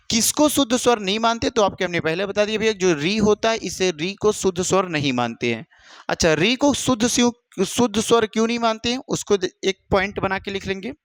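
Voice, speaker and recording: A male teacher giving an exam-prep lesson, dictating notes slowly with many repeats and calling students brother. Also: sits high, no room sound.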